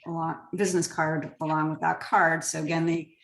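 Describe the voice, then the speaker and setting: An echoey room carries a woman's slightly low voice as she talks shop in an interview. She is a real estate agent from Connecticut, speaking conversationally as a guest. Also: level tone, normal speed. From Connecticut, United States. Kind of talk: conversational interview about work systems. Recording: roomy echo.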